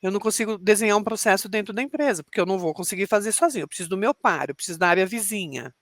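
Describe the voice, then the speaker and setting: A woman's voice: medium pitch, racing, no echo. A middle-aged woman with a Brazilian Portuguese accent, a podcast guest who talks reflectively and explains with examples. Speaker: podcast guest, leadership speaker. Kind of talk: interview conversation.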